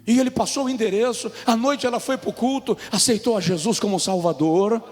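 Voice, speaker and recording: A Brazilian man with a Brazilian Portuguese accent preaching a sermon as a pastor. He tells personal stories and swings between hushed appeals and shouted peaks. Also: sits high, a little fast. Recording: long reverb with music underneath. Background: soft music.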